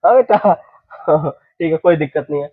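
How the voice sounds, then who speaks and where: A man's voice: fairly high pitch, animated. A young man with a Bhojpuri-tinged Hindi accent, from eastern Uttar Pradesh, teaching an English class, often repeating himself and checking that his students follow. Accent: Bhojpuri-influenced Hindi. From eastern Uttar Pradesh, India. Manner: repeats phrases, checks students understand, slows down for English sentences. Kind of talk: classroom lesson. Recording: tinny phone-like recording.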